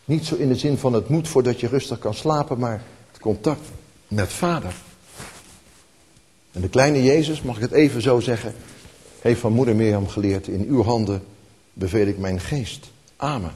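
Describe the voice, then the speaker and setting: Pastor preaching, kinda breathy husky voice, goes soft then loud and emphatic, long echo. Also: male voice, mid-range voice, normal speed, long pauses. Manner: swings between hushed tenderness and rising, emphatic calls. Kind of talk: sermon. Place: church. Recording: long hall reverb.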